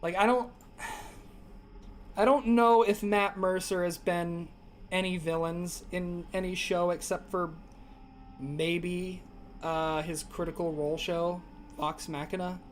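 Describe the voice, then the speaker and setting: A man's voice: sits high, fairly even intonation, takes it slowly, pauses often, slight background noise. A young man streaming a game, chatting casually and rambling through ideas with a dry throat. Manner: rambling, lots of fillers and restarts. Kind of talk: casual gaming stream chat.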